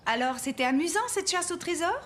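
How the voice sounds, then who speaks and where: A woman's voice: extremely high pitch, lively intonation, brisk. A woman playing an affectionate, polite mother of small children in a children's cartoon.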